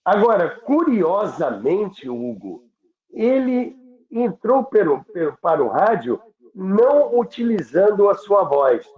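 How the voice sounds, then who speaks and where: A Brazilian man presents a radio history show at a very slow pace. He tells stories with deliberate emphasis in a conversational style. The sound is strongly echoey and narrow, like a limited-band line. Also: high-pitched, very animated.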